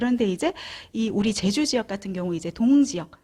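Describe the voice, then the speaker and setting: Somewhat breathy, a woman's voice sits at a fairly high pitch. Her intonation is lively. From Jeju, eastern Seongsan area. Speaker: parent content creator. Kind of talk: informational commentary video. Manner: frequent fillers, conversational.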